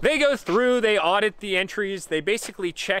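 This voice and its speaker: A man's raised, projected voice, bright and sharp in tone, at a fairly quick pace, with a dry sound and no echo. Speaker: vlogger. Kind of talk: casual vlog chat. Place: street. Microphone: phone near.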